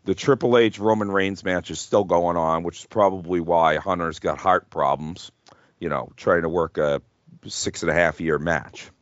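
A man's voice: low voice, normal speed, dry recording, lo-fi sound. A man hosting a casual wrestling chat podcast, talking in a jokey, hyperbolic way with some swearing. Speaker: podcast host.

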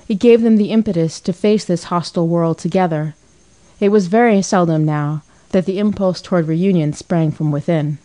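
Brief: woman narrator for a classic novel, lowish, mellow, steady. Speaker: audiobook narrator. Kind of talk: scripted narration.

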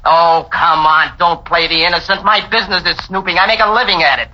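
A boozy sneering private eye. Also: male voice, fairly high pitch, fairly even intonation, brisk, pushed and bright. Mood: taunting. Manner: mocking, swings from drawling to tense. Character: hard-drinking sardonic male snoop, menacing. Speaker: drunken private detective. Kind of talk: 1940s radio acting. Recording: dull old radio broadcast recording.

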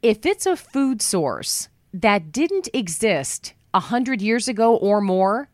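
A woman hosting a talk radio show from a studio, chatting in a folksy, upbeat way, her voice worn low after travel. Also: very animated, slow, darkish tone, dry recording. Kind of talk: talk radio monologue with live ad reads. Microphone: studio microphone.

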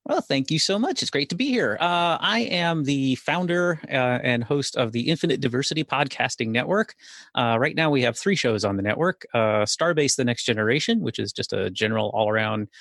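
A man with a gravelly, creaky voice speaks as a guest on a casual podcast. He talks in a measured way with many hesitations. The sound is dry and close. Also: medium pitch, expressive, a bit bright, no echo. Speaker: podcast guest, network founder.

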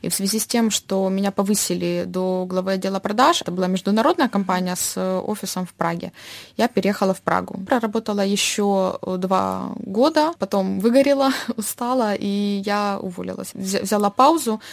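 A woman in her thirties from Ukraine, speaking thoughtfully in an interview and pausing often with fillers. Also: medium pitch, creaky, no room sound. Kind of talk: reflective personal interview.

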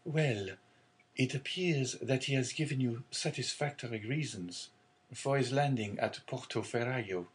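A man's voice: medium pitch, unhurried, close to an everyday voice. A man voicing a sly, jealous male ship's officer who insinuates. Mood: insinuating.

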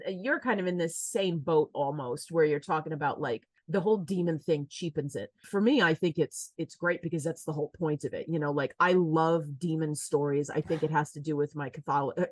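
American woman podcaster, lowish voice, animated chatty film talk, dry close mic. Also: fairly quick, few pauses, no room sound. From United States. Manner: animated, talkative, acts out quotes. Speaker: podcast co-host. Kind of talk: casual film discussion.

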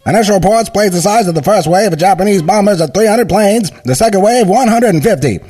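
A man voicing a 1940s male radio news announcer with a transatlantic accent and loud, formal delivery. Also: high voice, lively intonation, fast talker, breathy edge, soft background music, voice pushed up. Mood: grave.

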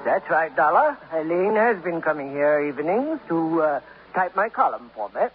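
A man playing a guarded columnist who gives careful, measured answers in 1950s radio drama style on an old recording. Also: a little high, very animated, soft background music. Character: guarded, smooth male columnist. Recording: tinny old radio transcription, faint hiss.

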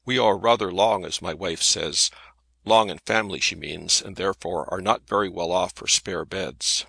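A man's voice: sits low, moderate pace, gravelly, bright, forceful tone, husky, dry recording, exaggerated voice. A man reading aloud gives voice to a cheery, talkative middle-aged male solicitor who speaks in a hearty, bluff way.

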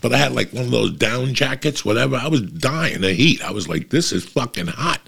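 Gravelly, foul-mouthed comic. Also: male voice, medium pitch, lively intonation, fairly quick, a bit bright. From New Jersey. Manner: profane, blunt storytelling. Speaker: comedian. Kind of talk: casual rambling monologue.

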